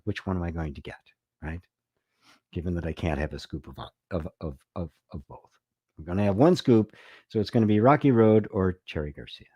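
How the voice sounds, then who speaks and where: A middle-aged man, a spiritual teacher, giving an unhurried, reflective talk and answering viewers' comments. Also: fairly low pitch, dark tone, no echo, studio quality. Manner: unhurried, reflective, often ending with "right?"; reads viewer comments aloud. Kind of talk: live-streamed satsang talk.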